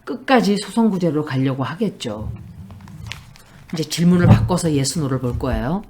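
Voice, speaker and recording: Low-voiced woman reading tarot. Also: expressive, moderate pace, dark tone, slight background noise. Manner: blunt, emphatic predictions. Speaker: tarot reader.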